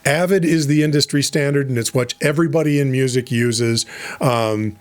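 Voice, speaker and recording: A middle-aged man giving a relaxed, conversational lesson as a voice over coach, with fillers and asides. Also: mid-range voice, normal speed. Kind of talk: casual instructional talk.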